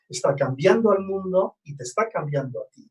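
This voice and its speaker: The speaker is a man with a high pitch. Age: 60s. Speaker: astrologer. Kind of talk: casual chat.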